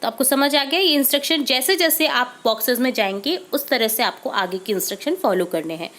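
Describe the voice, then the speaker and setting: A woman teacher explaining a class worksheet to schoolchildren, reading English instructions slowly and then explaining them in Hindi, patient and repeating each step. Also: high-pitched, animated, fairly bright tone. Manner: patient, repeats steps and checks understanding.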